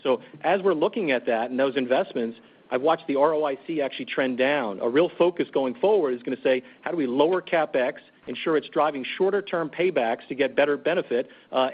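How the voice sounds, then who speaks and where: A man answering as a finance executive on an earnings call, halting, with repeated words. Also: medium pitch. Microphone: conference call line. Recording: dull lo-fi call audio.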